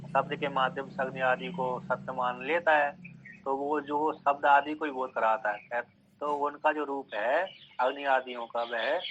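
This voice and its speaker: A scripture teacher lectures in a medium-pitched, slightly bright voice, explaining things step by step. He repeats phrases and asks short questions to make sure listeners are following. The lo-fi recording sounds dull and carries a little hiss or hum.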